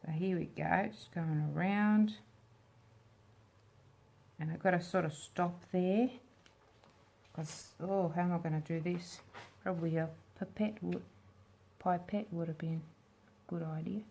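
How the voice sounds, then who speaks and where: A woman with a slight smoker's rasp hosting a casual hands-on craft tutorial, thinking aloud informally as she works. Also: lowish voice, fairly even intonation, measured pace, long pauses, mellow. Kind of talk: casual hands-on demo chat.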